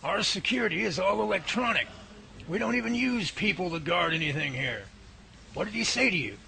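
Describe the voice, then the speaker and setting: A man playing a professor who calmly reasons things out and takes charge, in an amateur radio drama. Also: high voice, brisk, vocal fry, heavily acted. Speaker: professor leading a research lab. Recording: noisy amateur recording.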